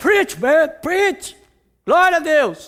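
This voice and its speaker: A man's put-on character voice at an extremely high pitch, the recording very clean with a silent background. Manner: mock-enthusiastic.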